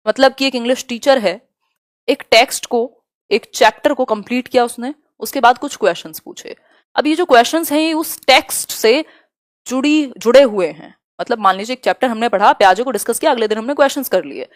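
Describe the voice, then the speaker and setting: A woman teaching an exam-prep lesson live, reading questions aloud slowly and chatting with viewers as she explains. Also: a little high, no echo, studio quality. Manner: chatty, answers viewers' comments.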